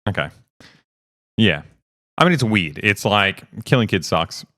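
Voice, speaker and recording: A man's voice: fairly low pitch, very animated, measured pace, sharp tone. A male streamer co-host in casual livestream chat, telling loose, sweary, rambling stories.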